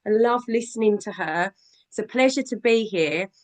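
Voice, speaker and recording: Slightly husky woman with a cold. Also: medium pitch, animated, moderate pace, darkish tone. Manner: eager and talkative. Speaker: guest sharing her story. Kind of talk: video call interview.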